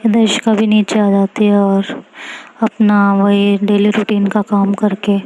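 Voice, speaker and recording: A woman's voice: medium pitch, completely flat delivery, a little slow, warm tone, rough recording. A woman narrating a love story in a loose, chatty, conversational way. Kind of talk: casual spoken story narration.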